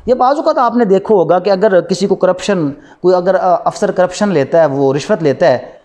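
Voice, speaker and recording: A man's voice: high-pitched, normal speed, darkish tone. A man with a Pakistani accent giving a law lecture in a didactic way, posing rhetorical questions and answering them himself.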